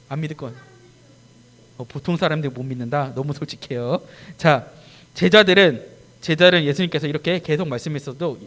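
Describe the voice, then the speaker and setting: Man, children's sermon, high voice, wildly swooping pitch, animated storytelling, questions to kids. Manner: animated storytelling, acting out scenes and quizzing the kids. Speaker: preacher for children. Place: church.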